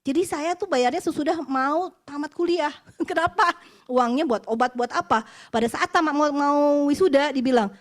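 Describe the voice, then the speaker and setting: A woman in her forties from West Java, giving a personal testimony sermon at an office worship meeting in a chatty, expressive way, dropping English phrases and laughing between points. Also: high-pitched, moderate pace. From West Java, Indonesia. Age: 40s.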